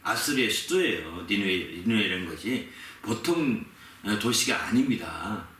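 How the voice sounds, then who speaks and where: Man, pastor, sermon, animated storytelling, repeats words for emphasis, echoey sanctuary, distant mic. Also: lowish voice, measured pace. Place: church sanctuary.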